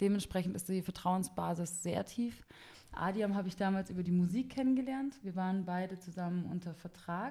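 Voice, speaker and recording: The woman's voice is somewhat breathy. Her tone is dark and mellow. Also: medium pitch for a woman, ordinary pitch variation, fairly quick pace. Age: 30s. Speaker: theatre educator and anti-racism activist. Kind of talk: casual interview.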